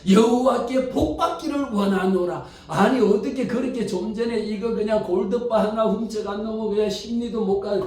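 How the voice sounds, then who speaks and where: A male pastor preaching a Sunday sermon with animated storytelling and frequent rhetorical questions, in a church sanctuary. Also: high-pitched, a little fast, few pauses. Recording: far mic in very echoey hall.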